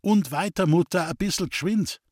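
A man voicing a hoarse, furious young Bavarian farmer. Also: high voice, moderate pace, no room sound, studio quality, pitched above the performer's own voice. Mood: angry. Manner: urgent, commanding, hoarse shouting. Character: hot-tempered young farmer's son, desperate.

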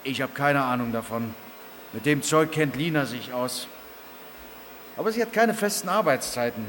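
A man's voice: medium pitch, expressive, moderate pace, fairly bright tone, a little hiss or hum, close to an everyday voice. A man playing an offhand young man in an echoing space. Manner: offhand and casual. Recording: echoing space, somewhat distant.

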